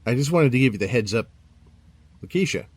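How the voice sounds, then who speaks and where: An actor playing a plain-spoken police captain in an audio drama, reserved and matter-of-fact. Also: male voice, medium pitch, expressive, brisk, slight background noise, close to an everyday voice.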